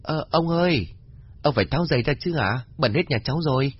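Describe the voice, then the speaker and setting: A man's voice: mid-range voice, expressive, quick pace, breathy edge, lo-fi sound, voice pushed up. A man voicing a polite, cheerful young female university student, in a raised voice. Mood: polite, lively. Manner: polite and deferential, raised bright tone.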